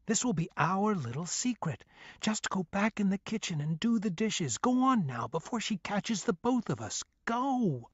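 A man voicing a weak, evasive father who is gruff and fearful, urging in hushed tones. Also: fairly high pitch, animated, slow pace, long pauses, no room sound, highs cut off.

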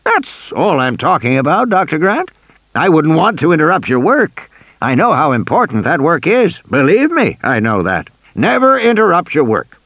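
A man's voice: fairly high pitch, wildly swooping pitch, normal speed, fairly bright tone, dry recording, voice pushed up, exaggerated voice. A man doing a cheery, pushy old tycoon. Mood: coaxing. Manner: insistent, persuasive, coaxing.

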